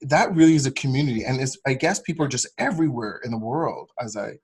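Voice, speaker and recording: Male coach host, mid pitch, slightly husky, friendly interviewer. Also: fast talker, a little mellow. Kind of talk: casual video call discussion.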